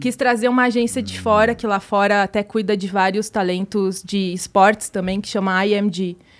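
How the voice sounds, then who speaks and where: In a normal speaking voice, a woman at medium pitch talks at a moderate pace with fairly even intonation and hardly any pauses. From southern Brazil, Rio Grande do Sul countryside. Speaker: esports reporter and presenter. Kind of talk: casual chat.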